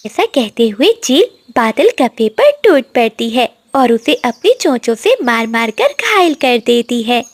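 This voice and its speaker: A woman narrating a cartoon story in a slow, moral-telling storyteller manner. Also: fairly high pitch, sing-song, dry recording.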